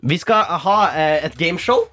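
A man's voice: high-pitched, lively intonation, bright, forceful tone, soft background music. A man from Northern Norway with a Northern Norwegian accent, chatting casually as a reporter in a radio studio. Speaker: radio reporter and game show presenter.

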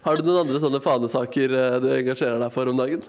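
A man's voice: medium pitch, steady tone. A man hosting a morning radio show, chatting playfully with a guest. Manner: playful, giggly interviewer. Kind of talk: casual radio chat.

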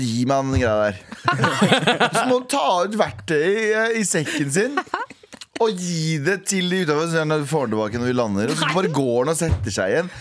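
A young man co-hosting a radio talk show tells a story in loose, casual chat. His voice sits a little high, and he acts out the people in his story with sudden leaps in pitch. He is recorded on a studio microphone.

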